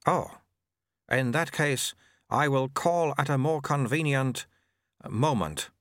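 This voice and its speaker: A man playing a mysterious cloaked male stranger who speaks slowly and formally. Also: mid-range voice, a bit bright, no room sound, studio quality, pitched above the performer's own voice. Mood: solemn. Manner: slow, measured, formal.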